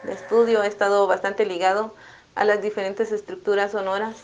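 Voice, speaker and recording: A woman's voice: mid-range voice, level tone, fairly quick, highs cut off. A woman from Guatemala with a Guatemalan accent, explaining her work making clay wind instruments in a thoughtful, explanatory way. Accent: Guatemalan Spanish. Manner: thoughtful, explanatory, with tag questions. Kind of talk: interview, explaining her craft.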